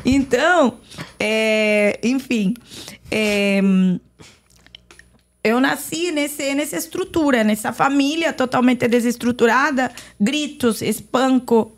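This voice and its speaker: Lebanese-accented woman telling her story. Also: high-pitched. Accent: Lebanese Arabic and Argentine Spanish. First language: Arabic. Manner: halting, with many restarts and pauses. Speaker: podcast guest. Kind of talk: personal testimony in casual conversation.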